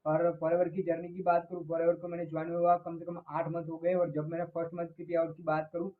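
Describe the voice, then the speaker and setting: A 21-year-old man from Ahmedabad speaks in a slightly high, flat voice and falls back on the same stock phrases again and again. The audio sounds thin and phone-like. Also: fast talker. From Ahmedabad, Gujarat, India. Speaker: network marketing member. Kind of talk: testimonial self-introduction.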